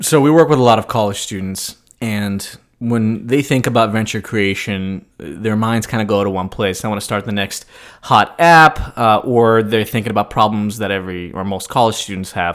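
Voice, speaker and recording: A man talks at a moderate pace in an unremarkable speaking voice, fairly low in pitch with ordinary variation. The recording is very clean, the background silent. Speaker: podcast host. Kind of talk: casual interview.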